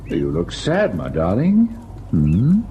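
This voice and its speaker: An actor playing a devoted, sorrowful husband in an old-time radio ghost drama, measured and tender in his delivery. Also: deep voice, huge pitch swings, lo-fi sound, a little hiss or hum, heavily acted. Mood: tender, teasing. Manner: measured, melancholy narration, tender and indulgent in dialogue. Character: devoted husband recalling a haunted, sorrowful tale.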